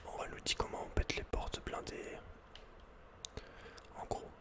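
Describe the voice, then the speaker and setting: A man whispering casual, slangy, playful game commentary in a breathy ASMR style, close to the microphone. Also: measured pace. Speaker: ASMR video game player.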